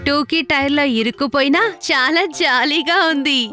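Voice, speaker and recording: A woman voicing a caring, gently chiding mother in a children's cartoon. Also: high-pitched, moderate pace, music in the background, close to an everyday voice. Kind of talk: animated children's cartoon dialogue.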